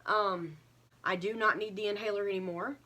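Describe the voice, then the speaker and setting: Slightly breathless woman, halting delivery. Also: mid-range voice, fairly even intonation, bright, forceful tone. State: slightly short of breath, recovering from illness. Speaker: craft vlogger. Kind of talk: casual personal update to viewers.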